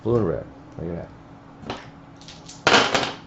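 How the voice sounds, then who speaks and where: A man's voice: low voice, lively intonation, slow pace. A man playing a tabletop game and chatting casually with the group. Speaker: game player. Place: indoor room, group around a game table. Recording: roomy, dull lo-fi live stream with noise.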